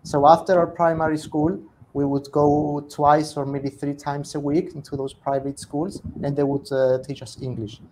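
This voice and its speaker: A young man from Cyprus with a Greek Cypriot accent, talking casually on a video call through an earphone mic as a guest, relaxed and thoughtful. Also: on the high side, normal speed, few pauses, slight background noise, poor audio. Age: young adult. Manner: relaxed, thoughtful, self-correcting. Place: home room. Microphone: earphone headset on a video call.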